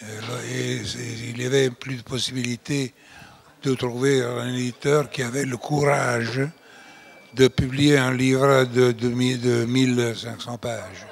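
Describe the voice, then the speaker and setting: An older Italian man delivers a closing lecture in French with an Italian accent. His mid-range voice is creaky, and he uses many fillers and restarts.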